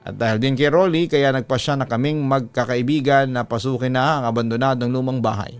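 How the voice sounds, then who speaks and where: A man with a Filipino accent narrates a scripted first-person horror story, reading out a letter as its host. His medium-pitched voice is steady and clean, moving a little fast. Background music plays throughout.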